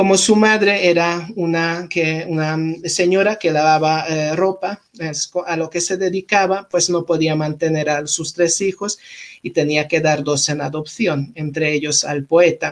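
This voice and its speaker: His pitch is high and his intonation fairly even. The man talks at a fairly slow pace. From Hungary. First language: Hungarian (speaking Spanish). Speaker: diplomat. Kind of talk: interview. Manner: halting, many fillers.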